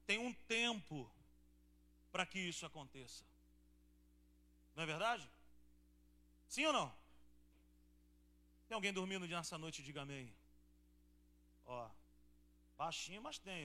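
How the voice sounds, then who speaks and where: High, bright-voiced preaching man. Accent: Brazilian Portuguese. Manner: preaching with rhetorical questions to the congregation. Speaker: pastor. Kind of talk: sermon. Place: church service before a congregation.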